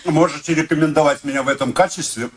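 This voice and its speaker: An actor playing a prickly, mock-gallant middle-aged accountant in a radio play, wry and courtly in manner. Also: male voice, on the high side, fast, lightly acted.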